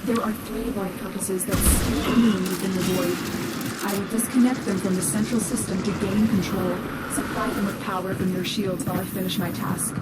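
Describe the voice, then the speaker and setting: Woman playing a grave, commanding guide over loud rumble. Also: steady tone, natural voice. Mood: grave, urgent. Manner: measured, earnest, commanding. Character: urgent, protective woman guide commanding her warriors. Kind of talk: video game voice acting. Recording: loud game ambience and rumbling.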